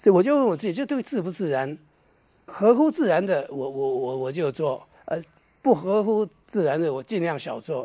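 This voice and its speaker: A man's high, dark, mellow voice at a moderate pace with very wide pitch swings. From Taiwan, Hsinchu (Hakka village). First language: Hakka (speaking Chinese). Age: 80s+. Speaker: retired philosophy professor, guesthouse owner. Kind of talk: interview. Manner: halting, repetitive.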